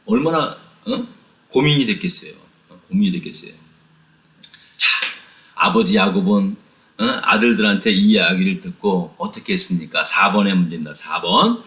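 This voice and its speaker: A man teaching a lively Bible study, retelling the story with many rhetorical questions and addressing his listeners directly. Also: deep voice, moderate pace, a little hiss or hum.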